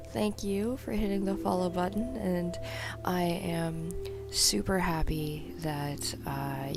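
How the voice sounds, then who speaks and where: A low, gravelly woman chats in a soft, breathy half-whisper, filling pauses with ums as she hosts a meditation stream. She takes her time over every phrase. Loud music plays under her voice. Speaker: meditation livestream host. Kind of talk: soft-spoken casual chat.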